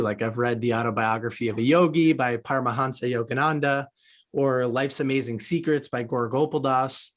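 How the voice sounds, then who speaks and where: A man hosting a podcast interview in a conversational, upbeat and articulate way. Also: medium pitch.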